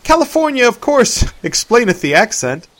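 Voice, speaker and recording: A man's voice: very high-pitched, big pitch swings, normal speed, fairly bright tone, pitched above the performer's own voice, heavily acted. A man doing a jovial archaic-speaking man. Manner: mock-archaic speech, laughing.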